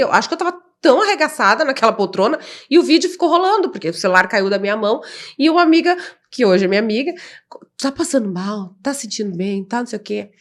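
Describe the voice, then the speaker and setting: Outspoken Brazilian woman telling her story. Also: high voice. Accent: Brazilian Portuguese. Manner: outspoken, impassioned, blunt. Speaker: guest, mother of an autistic child. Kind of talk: emotional storytelling in a podcast interview.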